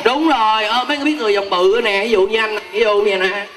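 A man's voice: high-pitched, fairly even intonation, quick pace. A young man with a southern Vietnamese accent hosts a game show on stage, teasing people and hyping the crowd. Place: outdoor evening banquet stage. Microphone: handheld microphone. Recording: loud music, live PA at outdoor event.

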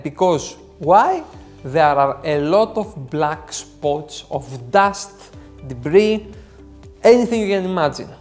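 A man's voice: a little high, darkish tone. A man in his thirties with a Greek accent hosts a photo-editing tutorial, talking in a jokey, self-deprecating way with theatrical emphasis. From Greece. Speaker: tutorial host.

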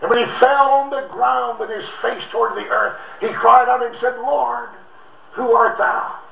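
A male preacher delivering a sermon in a rhythmic, alliterative cadence, slowing and dropping low for emphasis. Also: fairly even intonation, creaky. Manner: slows and drops low for emphasis. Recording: tinny, far-off, echoey old recording.

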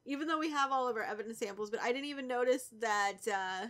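A young woman with a cold, stuffy and a little raspy, chatting casually through a let's play and teasing the characters. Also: fairly high pitch, fast talker, a bit bright. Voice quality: slightly raspy. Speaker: gaming YouTuber.

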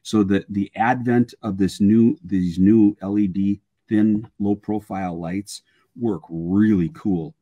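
A man's voice: on the low side, fairly even intonation, slow, dark tone, highs cut off. An older man speaking as a guest expert, explaining technical matters informally on a webinar video call. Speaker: guest expert, structural engineer and sales manager.

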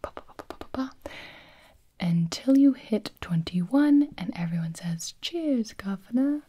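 A young woman in her twenties whispering in a breathy voice, chatting playfully as she explains party games in an ASMR style. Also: lowish voice, lively intonation, moderate pace, dark tone, highs cut off. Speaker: ASMR creator.

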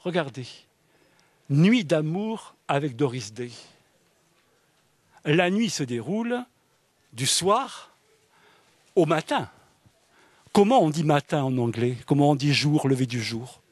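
A man gives an academic lecture on literature, with a slightly high voice and an eager, marvelling delivery. He reads short passages aloud, filling his talk with "alors" and "hein". The recording is dry, with little room sound. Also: expressive, a little slow, pauses often, dry recording. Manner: enthusiastic, fond of "alors" and "hein". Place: public library event.

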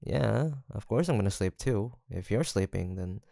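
A man playing a gentle, teasing young college roommate in an intimate audio roleplay, with a soft-spoken, hesitant manner. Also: fairly low pitch, lively intonation, normal speed, gravelly, dry recording, studio quality. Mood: gentle, tender. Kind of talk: intimate boyfriend-style roleplay acting, one-sided conversation.

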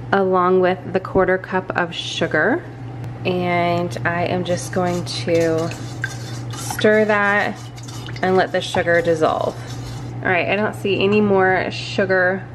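A chatty woman walks through a recipe at her kitchen counter, hopeful and self-deprecating. Her voice sits a little low, and a faint household hum carries under her talk. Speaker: vlogger. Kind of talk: casual cooking walkthrough. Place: home kitchen.

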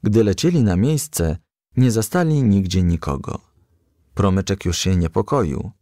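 A man reading a children's story aloud in a gentle storytelling manner. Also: low voice, expressive, a little slow, dry recording, studio quality. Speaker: audiobook reader.

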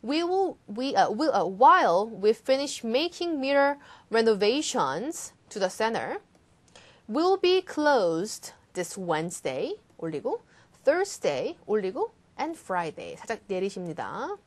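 A young adult woman who is a native Korean speaker, teaching an exam-prep English lesson, coaxing students and drilling English lines slowly for them to repeat. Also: a little high, very animated. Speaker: English speaking test instructor.

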